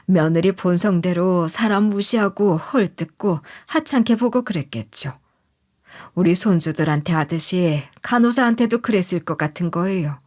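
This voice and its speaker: A woman's voice: fairly low pitch, moderate pace, darkish tone. A woman reading a scripted first-person story, addressing listeners in a conversational, confiding manner. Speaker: story narrator.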